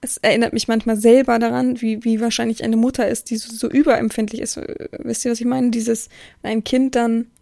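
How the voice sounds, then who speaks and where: A woman's voice: a little high, little pitch movement, fairly quick, gravelly, warm tone, no room sound, studio quality. A woman hosting a podcast in a casual, rambling monologue, strict and outspoken, often restarting her sentences. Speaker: podcast host.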